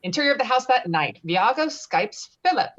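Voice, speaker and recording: A woman's voice: on the high side, big pitch swings, brisk, a bit bright. A woman reading screenplay stage directions in an online table read, over lo-fi call audio. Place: remote video-call reading. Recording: dull, lo-fi video-call audio.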